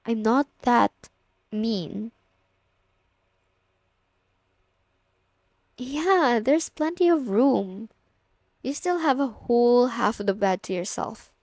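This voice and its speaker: A woman's voice: a little high, lively intonation, slow, a little mellow, dry recording, studio quality. A young woman playing a confident, teasing older sister of a best friend in an intimate, casual ASMR roleplay spoken to the listener. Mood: reassuring.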